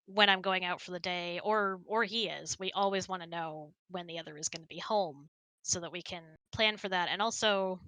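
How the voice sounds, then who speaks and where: Woman, middle-aged, bright tone, close dry sound, casual talkative chat. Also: on the low side, dry recording, rough recording. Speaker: host of a couple's hangout. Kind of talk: casual chat, answering questions.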